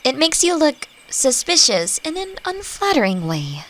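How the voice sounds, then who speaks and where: A woman playing a friendly, playfully teasing elf who teaches magic, speaking gently and reflectively in a roleplay audio drama. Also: sits high, huge pitch swings, measured pace, slight background noise, heavily acted. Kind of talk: scripted roleplay audio drama addressed to the listener.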